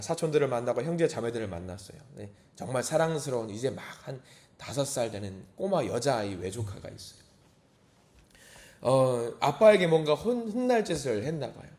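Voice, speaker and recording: A man's voice: mid-range voice, darkish tone. A man preaching a dawn service sermon, earnest and at times emphatic as he acts out prayers. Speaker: pastor.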